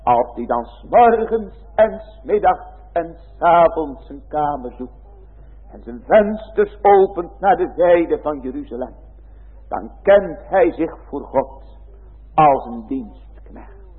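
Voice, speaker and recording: A high, husky male preacher delivers a sermon in a solemn, old-fashioned cadence. The sound is thin and phone-like, and a long reverb trails each phrase from the church hall. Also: expressive, slow.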